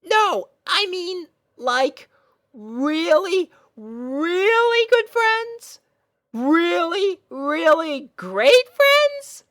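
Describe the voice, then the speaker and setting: A woman's voice: extremely high pitch, very animated, very slow, a bit bright, big-room sound, voice pushed up, heavily acted. A woman voicing a nervous young girl pony with a crush, stammering and gushing in a storybook reading. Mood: nervous, excited. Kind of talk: storybook character voice in a fan fiction reading.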